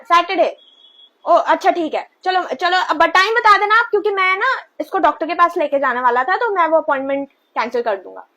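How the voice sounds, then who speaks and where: A woman's voice: extremely high pitch, sharp tone, full character voice. A woman playing a sly young husband who makes cheerful-sounding excuses to his in-laws. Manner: fake-cheerful, excuse-making.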